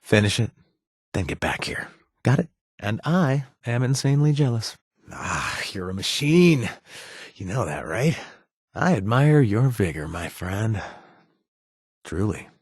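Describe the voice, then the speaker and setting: A man's voice: fairly low pitch, big pitch swings, a little slow, pauses often, darkish tone, breathy edge, no echo, exaggerated voice. An actor playing a playful, flirtatious male companion in a video game, recorded dry in a studio. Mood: flirty.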